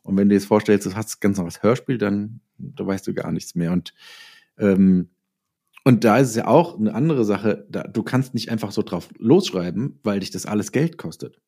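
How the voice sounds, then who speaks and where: Low, mellow-voiced man. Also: moderate pace, creaky, slightly rough. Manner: explains with hypothetical examples and acted-out quotes. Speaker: interviewed writer and audio drama maker. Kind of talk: casual interview explanation.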